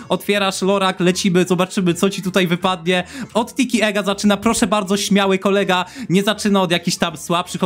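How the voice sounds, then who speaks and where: Excitable young man, high voice. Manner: chatty, excitable, talks straight to viewers. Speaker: gaming YouTuber. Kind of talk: casual gameplay commentary.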